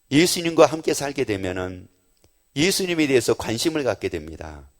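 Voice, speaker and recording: A middle-aged male pastor preaching a sermon, repeating phrases with rising force and emphasis. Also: medium pitch. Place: church sanctuary. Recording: long church reverb.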